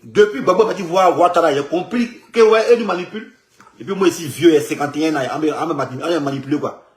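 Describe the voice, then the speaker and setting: A man, commenting on politics in an animated, rambling way, with many repetitions and stumbling restarts. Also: on the high side, racing. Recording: echoey room.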